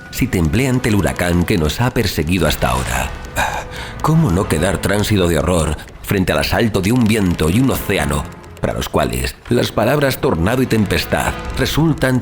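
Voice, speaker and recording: A man playing an anguished young adventurer, narrating a horror sea tale in a theatrical, literary, intense style. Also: deep voice. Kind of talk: dramatic horror audiobook narration. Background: music.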